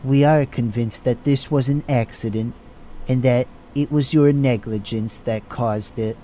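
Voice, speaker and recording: Man as condescending chief of staff, dark soft-edged tone, formal, measured, audio drama, faint noise. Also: mid-range voice, fairly even intonation, natural voice. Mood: stern, dismissive. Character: stern, condescending male hospital chief of staff.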